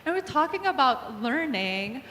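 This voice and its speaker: An upbeat woman from the Philippines hosts a panel on stage, her voice sitting high. She speaks in a large hall with a long reverb tail. Faint ambience hums behind her. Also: big pitch swings, a little slow, fairly bright tone, slight background noise. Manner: upbeat, welcoming. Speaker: panel moderator. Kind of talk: live panel moderation.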